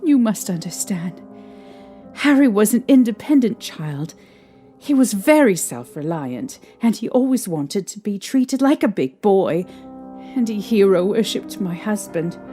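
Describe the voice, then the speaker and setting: A woman playing a young mother shaken by strange happenings, recalling them in a halting, hesitant way. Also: medium pitch, big pitch swings, mellow, breathy edge. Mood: troubled. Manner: hesitant, halting recollection with restarts. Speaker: interviewee recounting events. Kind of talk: fan audio drama acting. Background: faint music.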